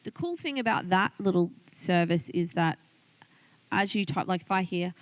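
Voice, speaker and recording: A woman's voice: lowish voice, animated, moderate pace, no echo. A woman with an Australian accent gives an informal tutorial, chatting and thinking aloud as she explains things step by step. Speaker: online business coach teaching video tips. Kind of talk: informal tutorial, talking through a screen demonstration.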